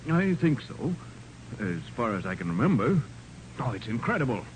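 A courteous, fussy family lawyer played by a man in a vintage radio crime drama. He speaks formally and with measured care in a mid-pitched voice, over faint recording noise. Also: sing-song, lightly acted. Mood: troubled, courteous. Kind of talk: 1940s radio drama acting. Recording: noisy 1940s radio recording.

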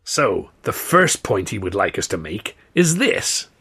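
A man voicing a hulking, slow-witted gangland thug in an audiobook, ponderous and politely threatening. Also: lowish voice, sing-song, bright, forceful tone, slightly rough, heavily acted. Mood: polite menace. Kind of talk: audiobook character dialogue.

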